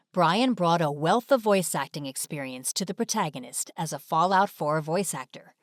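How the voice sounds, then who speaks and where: A woman's voice: fairly low pitch, no room sound, studio quality. A woman delivering scripted video essay narration in a polished, presentational manner.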